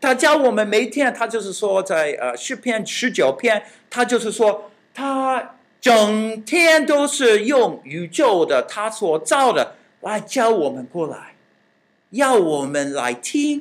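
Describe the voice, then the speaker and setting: In an English accent, a man speaks very slowly at a high pitch with very wide pitch swings, recorded very cleanly against a silent background. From United States. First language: English (speaking Chinese). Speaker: pastor. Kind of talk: church teaching class. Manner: halting, many fillers.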